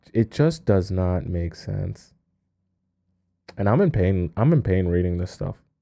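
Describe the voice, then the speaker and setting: Speaking at a moderate pace, a man has a dark, mellow tone and lively intonation. The recording is very clean, with a silent background. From Nigeria. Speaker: dating coach. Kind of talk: advice show reading listener questions. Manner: hesitant, many fillers.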